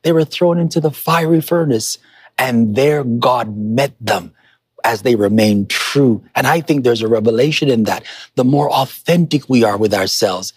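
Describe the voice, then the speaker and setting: A pastor delivers a motivational sermon to an online congregation, speaking emphatically, instructing listeners directly and repeating key phrases for weight. His voice is medium-pitched with a breathy edge and a moderate pace, recorded dry.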